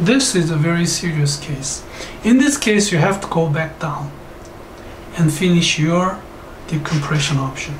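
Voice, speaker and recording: Pausing long and often, a man speaks at a fairly slow pace in a high voice with ordinary pitch variation. Audible room echo and light background noise are present. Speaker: diving medicine lecturer. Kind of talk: lecture. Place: home room.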